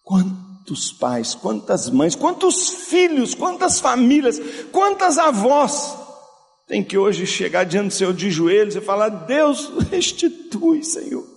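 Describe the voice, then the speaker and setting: A male pastor preaching a sermon, swinging from loud, slow declarations down to soft, hushed passages. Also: sits high, very animated, creaky. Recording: long hall reverb.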